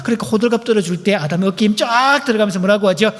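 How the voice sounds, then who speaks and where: Animated high-voiced male pastor in an echoey church. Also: racing, background noise. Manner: animated, playful, asks the audience questions. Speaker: pastor leading a couples seminar. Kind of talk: lively seminar lecture. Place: church sanctuary.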